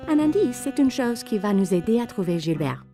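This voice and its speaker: A woman playing a gentle, encouraging mother in a children's cartoon, patiently and playfully explaining things to a small child. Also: medium pitch, very animated, fairly quick, close to an everyday voice. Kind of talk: French-language children's cartoon dubbing. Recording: music under the voice.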